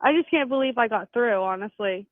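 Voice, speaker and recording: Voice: mid-range voice, a little fast, no echo. Hesitant caller on a tinny phone line. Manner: hesitant, stammering. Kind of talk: phone call-in.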